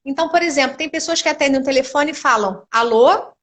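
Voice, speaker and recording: A middle-aged woman with a notably high voice, explaining in a patient, teacherly way. She speaks as a speech therapist on a live video call, with homely examples. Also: very fast, a bit bright. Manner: didactic, explains with everyday examples. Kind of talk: explanatory live-stream chat.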